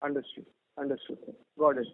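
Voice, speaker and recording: A man's voice: on the high side, level tone, fast talker, vocal fry. A man with an Indian accent politely asking questions as an analyst on an earnings call. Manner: polite, deferential. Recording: phone line with noise, clicks.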